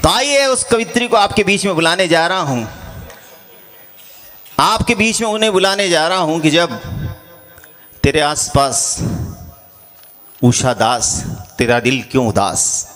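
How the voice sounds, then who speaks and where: A man's voice: on the high side, measured pace, long pauses, fairly bright tone. A man emceeing a live poetry gathering on an outdoor stage, trading teasing banter and reciting couplets into a stage mic. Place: outdoor stage before a crowd. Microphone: stage microphone.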